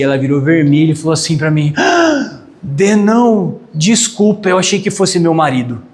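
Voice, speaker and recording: A man with a Brazilian accent preaching a sermon as pastor, telling stories in an animated, emphatic way with sound effects. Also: a little high. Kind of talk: sermon with humorous anecdote.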